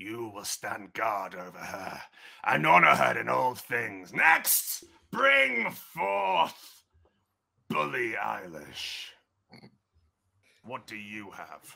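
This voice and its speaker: In a raspy, put-on character voice, a man speaks at a very slow pace. Long pauses come often. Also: fairly low pitch for a man. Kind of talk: mock-ceremonial pronouncement.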